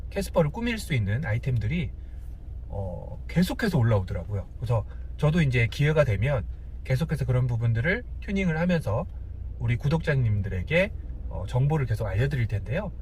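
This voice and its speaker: A man hosting a casual, unscripted car review, speaking hesitantly with pauses between short phrases. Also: medium pitch, big pitch swings, darkish tone. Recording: clear background car noise.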